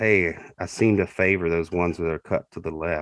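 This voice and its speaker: With a Southern US accent, a man speaks at a very deep, low pitch. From US South, South Carolina. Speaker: turkey hunter and champion turkey caller. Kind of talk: casual interview.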